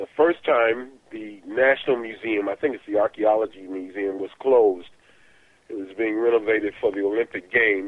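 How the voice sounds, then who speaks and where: A man talks at a moderate pace in a normal speaking voice, his medium pitch and fairly even intonation paired with big swings in loudness. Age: 60s. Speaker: historian and lecturer. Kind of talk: interview on call-in radio.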